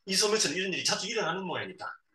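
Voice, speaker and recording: A man's voice: high-pitched, sing-song, sharp tone. A middle-aged man reads a novel aloud to his son. He stops often to explain words simply and acts out the quoted lines. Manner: reads a passage, then pauses to explain words simply to a child. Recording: roomy echo, a bit far from the mic, faint noise.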